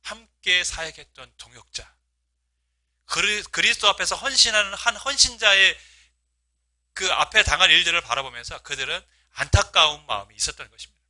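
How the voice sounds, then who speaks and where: A man's voice: high voice, lively intonation, fairly quick, bright, forceful tone. A male pastor preaching a sermon, asking his congregation rhetorical questions and acting out quoted speech with feeling. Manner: voices quoted speech with rising emotional emphasis.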